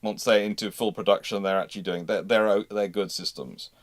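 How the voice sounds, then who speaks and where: A man's voice: lowish voice, steady tone, no room sound. Man explaining things on a dry, close recording. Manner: halting, repeats and rephrases phrases mid-thought. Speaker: host answering viewer questions on a live stream. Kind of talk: casual live Q&A with expert explanation.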